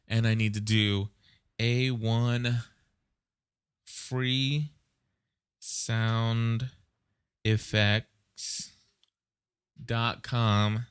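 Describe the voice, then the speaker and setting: A man's voice: mid-range voice, little pitch movement, very slow, long pauses, smooth, no echo, clean studio sound. A man hosting a podcast, rambling casually and conversationally as he thinks aloud and gives advice. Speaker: podcast host.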